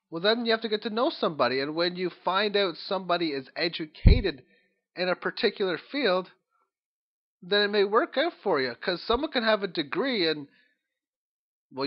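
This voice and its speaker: A man giving an informal, opinionated monologue as host of an audio log, halting and rambling as he thinks aloud. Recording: dull, low-quality lo-fi audio log.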